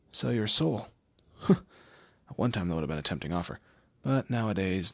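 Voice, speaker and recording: A man voicing a deep, smug demon lord. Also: a bit bright, breathy edge, dry recording, exaggerated voice. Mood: dismissive, menacing. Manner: theatrical, condescending, drawling, with amused asides. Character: smug, teasing male demon lord, proud torturer and bureaucrat. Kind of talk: scripted audio roleplay addressed to the listener.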